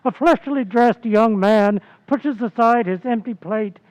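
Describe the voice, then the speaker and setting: A man's voice: high-pitched, a little slow, a little mellow, no room sound, poor audio. A man announcing and narrating an old-time radio show in a declamatory, scripted style, with a thin radio sound.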